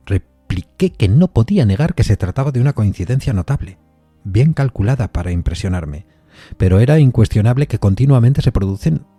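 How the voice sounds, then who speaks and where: An actor playing a polite, rational but uneasy gentleman visitor, narrating an audio ghost story in a formal, measured way with a dark, husky voice. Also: lowish voice, dry recording, heavily acted. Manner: formal, measured, hesitant when questioning. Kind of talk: dramatised first-person narration, audio fiction.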